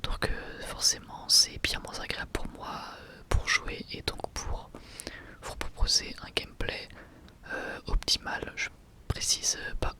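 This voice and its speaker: A man speaking in a soft, breathy ASMR whisper, gently addressing viewers as a video creator. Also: a little slow.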